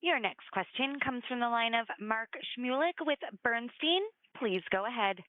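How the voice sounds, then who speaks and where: A woman operator with a fairly high voice makes scripted announcements on a conference call. The sound is dry and narrow, like a telephone. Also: moderate pace, no room sound.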